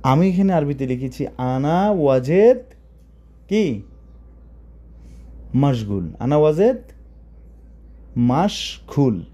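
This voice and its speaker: A man's voice: fairly high pitch, lively intonation, a little slow, warm tone, dull audio. A man teaching Arabic phrases, who explains each word, repeats phrases and asks his listeners questions. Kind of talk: language lesson.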